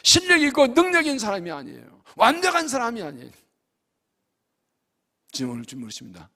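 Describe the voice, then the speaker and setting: A middle-aged male pastor preaching a sermon, swinging between loud exhortation and hushed asides as he acts out dialogue. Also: extremely high pitch, huge pitch swings, fairly quick. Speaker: senior pastor. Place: church sanctuary. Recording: long hall reverb.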